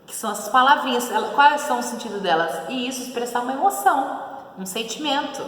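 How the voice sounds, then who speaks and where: A woman's voice: fairly high pitch, animated, fast, a bit bright. A woman who teaches a recorded grammar lesson, reads passages aloud, acts out the tone of the words and keeps checking in with her students. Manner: reads text aloud and acts out the interjections with changing tone. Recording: echoey room, long reverb.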